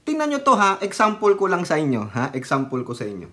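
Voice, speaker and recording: High-voiced chatty man vlogging. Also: huge pitch swings, fairly quick, bright, forceful tone. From Philippines. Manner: chatty, rambling, mixes Tagalog and English, asks viewers "di ba?". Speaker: political vlogger. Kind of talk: casual commentary vlog.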